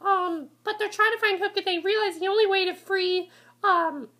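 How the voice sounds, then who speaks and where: A woman's voice: extremely high pitch, fairly even intonation, normal speed, sharp tone. A woman casually reviewing a TV episode, congested from a cold, rambling with many ums and restarts.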